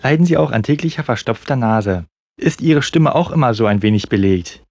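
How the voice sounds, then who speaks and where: A man with a medium-pitched voice delivers scripted parody adverts and promos. He announces them in the style of a radio spot for a comedy audio play. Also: lively intonation, a little fast, a little mellow, no echo.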